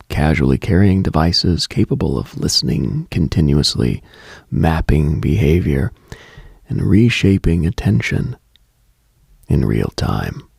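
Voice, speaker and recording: Like a mystical host on a late-night broadcast, a man speaks a brooding, contemplative monologue in hushed tones. His voice is low and deeply gravelled, recorded close and completely dry.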